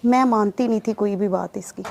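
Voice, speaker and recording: Mellow-voiced woman telling her story. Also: medium pitch, fairly quick, creaky, no room sound. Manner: lively storyteller acting out remembered dialogue. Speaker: guest giving a testimony. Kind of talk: personal testimony interview. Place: lives in Saudi Arabia.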